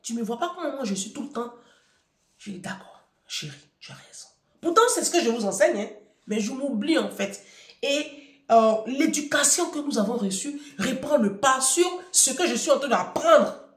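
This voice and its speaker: Animated woman telling stories in an echoey room. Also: high-pitched, normal speed. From Africa. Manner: animated and emphatic, addresses listeners directly, repeats phrases. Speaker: community speaker giving parenting advice. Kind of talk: casual storytelling monologue to an audience.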